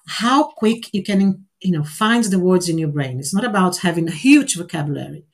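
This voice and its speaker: Husky Portuguese-native woman hosting. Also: lowish voice, animated, normal speed. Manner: explanatory, encouraging, frequent "right?" tags. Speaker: host of a speaking exercise session. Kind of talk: casual online group session.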